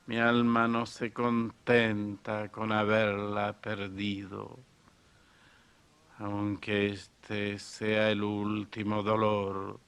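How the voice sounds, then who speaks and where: Male reader, solemn verse recital, very slow, smooth clear voice. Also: mid-range voice, fairly bright tone. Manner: solemn, measured reading. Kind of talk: poetry recitation.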